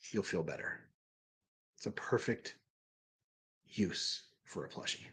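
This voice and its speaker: A breathy male voice, very slow, broken by long, frequent pauses. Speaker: movie reaction channel host. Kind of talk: live stream chat. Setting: live stream. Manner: energetic.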